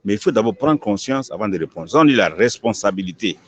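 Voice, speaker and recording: A man's voice: fairly low pitch, animated, fast. A man, an imam, answering questions in an emphatic preaching manner, repeating words as he builds each point. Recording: dull lo-fi recording.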